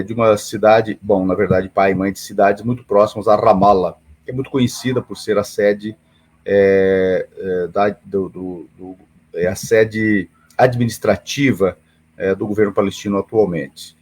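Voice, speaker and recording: A man's voice: lowish voice, steady tone, normal speed, darkish tone, slightly rough. A middle-aged man, explaining things as an interview guest in formal, wordy phrasing. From Paraná, southern Brazil. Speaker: interview guest, association president.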